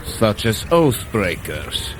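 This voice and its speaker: An actor playing a hearty, earnest, slightly dim thunder god, speaking in a grand, formal manner in an audio adventure. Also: male voice, lowish voice, sing-song, slow pace, a little hiss or hum. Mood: teasing. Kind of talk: dramatised audio adventure for runners.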